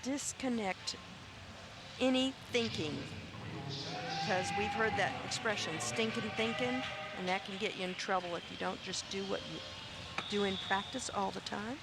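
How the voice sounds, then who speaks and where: A woman's voice: medium pitch, normal speed. A woman giving live, analytical diving commentary, explaining technique and scoring as a sports analyst. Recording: very noisy natatorium ambience behind. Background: loud venue noise.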